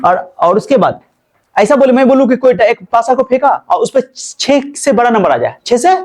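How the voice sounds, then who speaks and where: A man's voice: very high-pitched, lively intonation, normal speed, a little mellow. A man teaching a maths class, repeating himself and quizzing his students as he explains. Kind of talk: classroom lesson.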